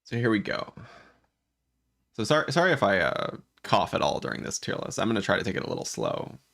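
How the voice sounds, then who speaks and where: A man's voice: on the low side, huge pitch swings, fairly quick, gravelly, a bit bright. A man who is a gaming YouTuber, casually thinking aloud as he ranks game cards, his voice worn from illness and his speech full of restarts. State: voice worn from illness, occasional coughs. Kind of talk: casual commentary while ranking game cards.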